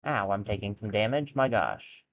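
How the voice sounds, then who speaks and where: A man's voice: lowish voice, lively intonation, normal speed. A man streaming a video game and thinking aloud in casual commentary, with wry jokes at his own expense. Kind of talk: casual let's-play commentary. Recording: tinny phone-like sound.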